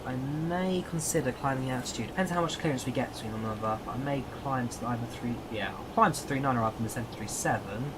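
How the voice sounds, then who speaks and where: Man, English accent, casual streamer chatter, thinks aloud, middle pitch, steady hum behind. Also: fast talker, hardly any pauses. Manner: chatty, thinks aloud, answers chat viewers. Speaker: flight simulator streamer. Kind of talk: casual live-stream commentary.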